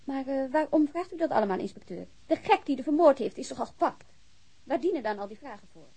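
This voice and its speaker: An actress playing a polite, guarded business owner in a naturalistic radio drama. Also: female voice, high-pitched, expressive, quick pace, warm tone. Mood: questioning.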